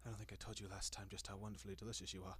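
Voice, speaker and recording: A man playing a doting, possessive centuries-old vampire in an intimate roleplay audio, speaking in a genteel, coaxing manner with lingering pauses. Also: lowish voice, level tone, a bit bright, slightly rough. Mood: savoring.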